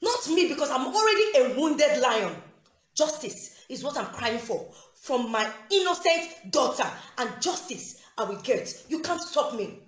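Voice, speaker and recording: A woman's voice: sits high, sing-song, measured pace, reverberant. A woman making an angry, confrontational appeal as a mother, repeating her phrases as she hammers her points home. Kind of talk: angry recorded video rant.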